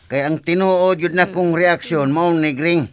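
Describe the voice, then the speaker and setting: A woman's voice: fairly low pitch, fairly even intonation, unhurried, no echo, close to an everyday voice. An actress playing an easily rattled, hesitant village woman in a radio drama comedy, with a Bisaya accent. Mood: amused, confiding.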